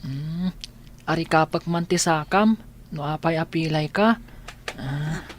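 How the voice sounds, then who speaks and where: A woman voicing a blind young man in an audio drama, asking soft, curious questions. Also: low-pitched, slow, a little hiss or hum. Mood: gentle. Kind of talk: radio drama acting.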